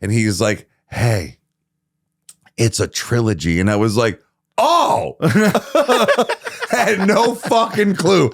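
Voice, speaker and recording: A man co-hosting a podcast, telling a story in casual chat with animated delivery and crude swearing. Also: mid-range voice, creaky, no room sound, clean studio sound. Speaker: podcast co-host.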